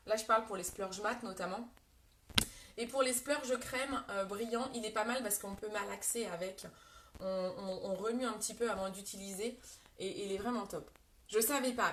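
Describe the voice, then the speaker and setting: A woman's voice: a little high, echoey room, recorded from a distance, slight background noise. A woman giving a casual live makeup tutorial, chatting to viewers by name and explaining each step. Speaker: beauty product seller doing a live makeup demo.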